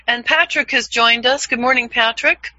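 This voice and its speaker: A man in his fifties, a voiceover coach leading an online class, upbeat and quick to laugh. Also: extremely high pitch, fairly even intonation, sharp tone. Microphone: video call. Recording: dull, lo-fi video call audio.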